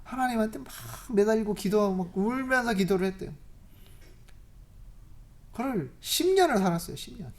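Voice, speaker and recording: Preacher giving a sermon, tells stories, gets loud then goes soft, keeps asking the church questions. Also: medium pitch, normal speed, pauses often. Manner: animated, swings between loud emphasis and soft asides; asks the congregation rhetorical questions. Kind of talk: sermon with storytelling. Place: church service.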